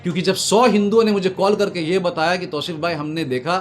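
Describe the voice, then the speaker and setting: A man's voice: high voice, fairly quick, soft background music. A man making an impassioned political argument, emphatic and repetitive, building his points in oratorical lists. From Bengal, India. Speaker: political commentator being interviewed. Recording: noticeable background noise.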